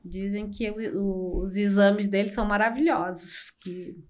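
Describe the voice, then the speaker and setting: An older woman from Brazil, a podcast guest telling her life story slowly and reflectively, with many pauses. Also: medium pitch, steady tone, a little mellow. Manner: slow, reflective, with frequent pauses and fillers. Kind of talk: personal storytelling in an interview.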